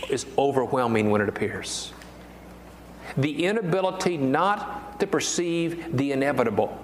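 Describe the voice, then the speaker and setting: A man's voice: on the high side, slight background noise. An older man, a pastor, preaching a sermon in an earnest, emphatic way and repeating his key phrases. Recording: echoey hall reverb, faint ambience.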